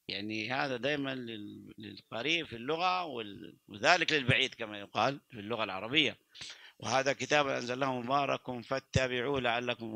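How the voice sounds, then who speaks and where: An older male Quran reciter delivers a religious talk and recites verses with fervor, often stammering and restarting. His voice is medium-pitched and sharp, with no room sound audible.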